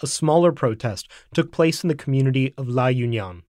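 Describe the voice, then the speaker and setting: A man narrating an investigative report in scripted, measured form. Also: mid-range voice, dry recording, clean studio sound. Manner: measured, even delivery. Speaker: documentary narrator.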